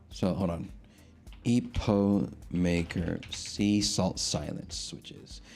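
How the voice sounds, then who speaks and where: With music in the background and audible room echo, a man speaks at a very slow pace. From UK. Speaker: vtuber streamer. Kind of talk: casual live stream chat. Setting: live stream. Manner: loud; halting.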